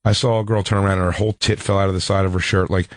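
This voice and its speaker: A man's voice: low-pitched, level tone, very fast, dry recording, clean studio sound. A man co-hosting a comedy radio show, telling blunt, rambling stories in casual chat. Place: radio studio.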